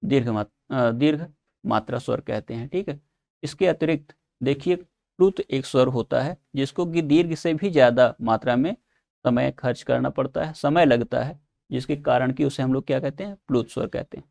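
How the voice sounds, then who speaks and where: A man's voice: medium pitch, moderate pace, vocal fry, a little mellow. A man teaching an online exam-prep lesson, explaining step by step and answering his own questions.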